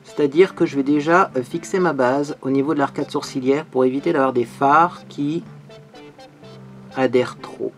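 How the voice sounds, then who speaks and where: A man's voice: medium pitch, normal speed, fairly bright tone, faint music behind. A man hosting a makeup tutorial, talking in a bubbly, chatty way and often tagging his sentences with little fillers. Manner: bubbly, chatty, peppered with "hein". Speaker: beauty vlogger.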